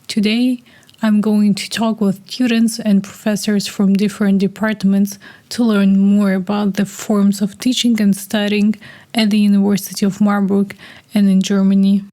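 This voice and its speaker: Mellow-voiced young woman interviewer. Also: mid-range voice, level tone, moderate pace. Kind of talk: podcast interview, read intro then questions.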